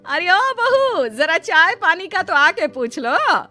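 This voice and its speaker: A woman's voice: very high-pitched, sing-song, slow pace, soft background music, heavily acted. A woman voicing a stern, scolding middle-aged mother-in-law in a cartoon story. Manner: sharp, bossy, complaining.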